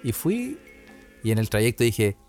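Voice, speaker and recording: A man's voice: fairly low pitch, measured pace, soft background music. A young man with a Chilean accent, co-hosting a casual podcast and telling an anecdote with lots of slang, acting out the voices of people in it. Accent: Chilean Spanish. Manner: animated, acts out voices in anecdotes, heavy slang, frequent laughs. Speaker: podcast co-host. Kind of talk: casual storytelling chat.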